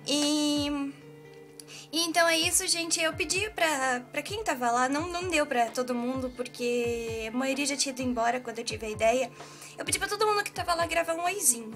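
A woman's voice: high-pitched, expressive, brisk, fairly bright tone, faint music behind. A young woman vlogging a fan meetup in a park, chatty and laughing as she films on her phone. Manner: chatty, laughs often, urging friends to say hi. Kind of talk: casual vlog chat. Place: outdoors in a park garden. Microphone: phone camera held by hand.

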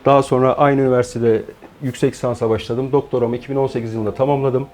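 A man in his forties, born in Turkey, answering interview questions in a measured, explanatory way with frequent hesitant fillers. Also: mid-range voice, flat delivery, a little mellow. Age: 40s. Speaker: guest, founder of an online shop.

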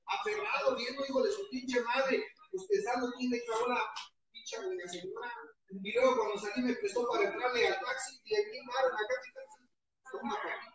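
A man with a Mexican accent pours out a raw, profanity-filled testimony, his voice cracking with emotion. He sits high in pitch and sounds distant from the mic. The long echo of a meeting hall and a listening crowd surround his words. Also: moderate pace. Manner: heavily profane, impassioned, voice often breaking. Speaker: recovering alcoholic giving testimony. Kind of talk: impassioned testimony at a support-group meeting. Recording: echoey hall, mic far off, crowd behind.

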